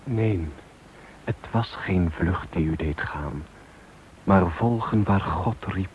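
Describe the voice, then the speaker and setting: A man giving a grave, reverent poetry recitation in a radio play. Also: sits low. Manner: grave, slow, reverent phrasing. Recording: tinny narrow-band old radio recording, slight hiss.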